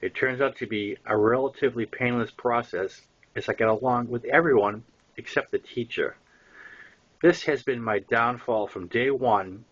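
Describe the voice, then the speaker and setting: An older man with a Boston accent and a husky voice, reading his own first-person story as an audiobook narration. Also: medium pitch, normal speed, fairly bright tone, highs cut off.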